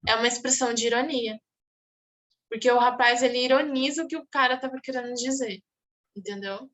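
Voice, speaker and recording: A woman's voice: a little high, steady tone, fairly quick, a bit bright. A woman teaching a class, going over exam answers and checking in often with her students. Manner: explanatory, checks in with "tá bom?". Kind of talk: online exam review class.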